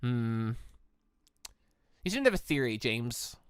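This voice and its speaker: A calm, formal headmaster from a visual novel, as voiced by a let's-player. He speaks deliberately and probingly, pitched a little under everyday talk, in a dry close sound. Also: clean tone, dry recording. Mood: thoughtful. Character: calm, measured, formal male school headmaster.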